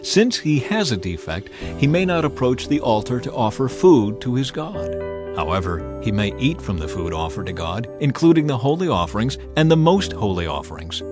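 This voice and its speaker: A man narrating scripture as a dramatized audio reading, solemn, measured and authoritative in his delivery. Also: mid-range voice, very animated, over music. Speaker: Bible narrator.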